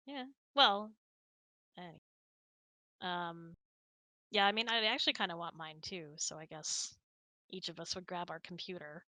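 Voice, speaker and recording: A woman's voice: on the low side, unhurried, pauses often, bright, forceful tone, no room sound. A woman hosting a casual online hangout, chatty and self-deprecating, thinking aloud as she answers audience questions. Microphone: close mic on an online voice chat.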